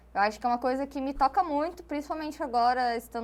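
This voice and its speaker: This woman has a slight interior São Paulo accent. Her pitch moves in an ordinary way. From Brazil, interior of São Paulo state. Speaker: clown, theatre performer. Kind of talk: interview.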